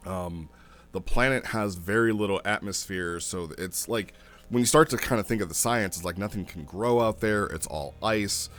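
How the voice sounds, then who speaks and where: A man's voice: lowish voice, moderate pace, fairly bright tone. A man giving a casual, unscripted review as a host, rambling a little and thinking aloud as he goes. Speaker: host reviewing roleplay logs.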